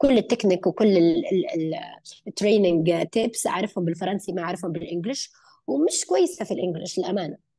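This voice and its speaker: With a dark, mellow tone and lively intonation, a woman speaks at a fairly quick pace in a dry sound with no echo against a quiet background. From Tunisia. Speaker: traveller, gymnastics coach; gymnastics coach. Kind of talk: podcast interview. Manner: frequent English code-switching; halting, many restarts. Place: home room. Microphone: earbuds.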